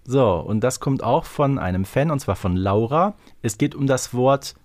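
A man's voice: medium pitch, lively intonation, moderate pace. A man from Germany's Ruhr area hosting a podcast in a casual, chatty style. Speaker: podcast host. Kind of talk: casual chat.

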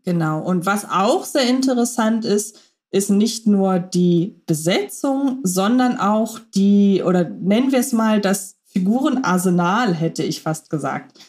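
A woman's voice: mid-range voice, expressive, a little slow, a little mellow. A woman co-hosting a podcast, talking in a chatty, thoughtful way while unwell. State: ill, recovering. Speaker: podcast co-host. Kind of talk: casual chat.

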